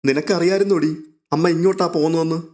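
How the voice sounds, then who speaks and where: A man's voice: a little high, normal speed, voice pushed up, close to an everyday voice. A man voicing an anxious, emotional young woman whose voice wavers as she talks. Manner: soft, hesitant, breaking voice.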